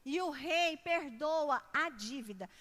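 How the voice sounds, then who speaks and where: High bright-voiced woman preaching in a hall. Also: slow pace. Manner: animated storytelling with acted quotes. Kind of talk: sermon.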